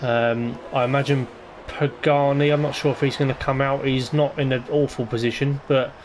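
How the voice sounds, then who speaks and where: Male league commentator, hesitant, rambling previews, mid pitch. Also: little pitch movement, normal speed, slight background noise. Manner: rambling and hesitant, lots of ums. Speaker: lead commentator of an online racing league. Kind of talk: casual race-preview commentary.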